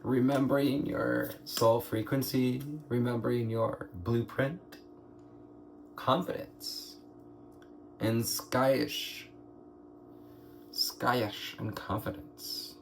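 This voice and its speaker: A man with a scratchy, hoarse throat doing a slow, musing spiritual tarot reading, clearing his throat now and then. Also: medium pitch, fairly even intonation. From United States. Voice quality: gravelly. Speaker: tarot reader.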